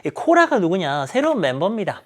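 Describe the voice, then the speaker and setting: Male lecturer, animated delivery, acts out dialogue for students. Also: high voice, fairly quick. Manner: lively, acts out characters' lines while explaining. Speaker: English teacher. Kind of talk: exam explanation lecture.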